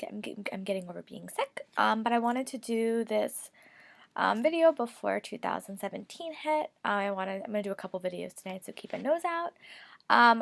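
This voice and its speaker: A woman's voice: fairly high pitch, vocal fry. A young woman with a slight cold and a stuffy voice, chatting casually and upbeat about her reading plans, with lots of fillers. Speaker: book vlogger. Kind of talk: casual chat to camera.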